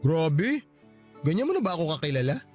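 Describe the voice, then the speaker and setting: A soft-hearted pleading husband. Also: male voice, on the high side, sing-song, brisk, faint music behind. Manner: pleading, defensive. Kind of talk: radio drama acting.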